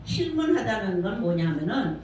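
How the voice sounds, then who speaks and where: A woman's voice: mid-range voice, big pitch swings, normal speed, darkish tone, a little hiss or hum. A woman pastor giving a sermon in a church, preaching conversationally and putting questions to the congregation. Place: church sanctuary. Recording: very echoey church from far off.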